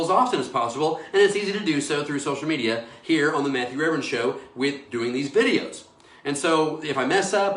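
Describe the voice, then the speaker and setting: A man hosts his own live show, talking in a bold, enthusiastic and preachy way, often repeating himself. His voice sits a little high for a man. The sound is roomy and echoey, as if recorded indoors. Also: fairly bright tone. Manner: enthusiastic, preachy, rambling, repetitive declarations. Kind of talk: live casual monologue. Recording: echoey room.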